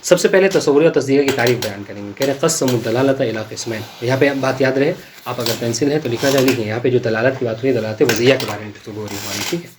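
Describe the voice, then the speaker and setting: A man's voice: medium pitch, few pauses. A man lectures a small class on legal theory in an ordinary mid-range voice. He reads out passages of Arabic text and then breaks them down. He keeps asking his students questions to check that they follow, over a faint hiss of background noise. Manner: quizzes students, checks understanding often. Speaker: teacher.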